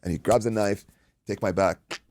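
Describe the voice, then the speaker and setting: A man from Iraq, a boxing coach and guest, telling an animated story in casual chat, acting out quotes and swearing freely. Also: on the low side, normal speed, no room sound.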